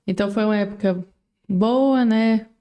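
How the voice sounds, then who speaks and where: A man's voice: high-pitched, moderate pace, warm tone, smooth, dull audio. A man from Brazil hosting a podcast, prompting his guest and backing him up with short affirmations and jokey asides. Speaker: podcast host. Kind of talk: casual interview.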